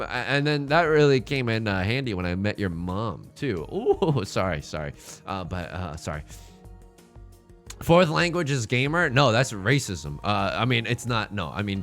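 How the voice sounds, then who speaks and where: A man's voice: on the low side, fairly bright tone. A young man, a streamer whose first language is Mandarin, joking and swearing casually with his chat while playing a game, exhausted from a long day. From born in China, raised in the United States. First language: Mandarin Chinese. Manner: quick, joking and profane, talking to chat. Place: home streaming setup.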